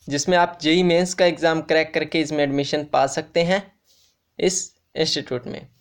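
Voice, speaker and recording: A man explaining, repeating every point. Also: on the high side. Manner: repetitive, restates facts, addresses viewers as friends. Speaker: education YouTuber. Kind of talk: informal explainer to students.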